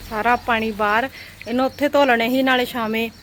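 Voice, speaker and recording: A woman with a very high voice and a Punjabi accent talks in a casual vlog style. She teases and gently scolds as she goes. There is faint noise behind her from an outdoor rural setting. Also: steady tone, fairly quick. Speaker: vlogger.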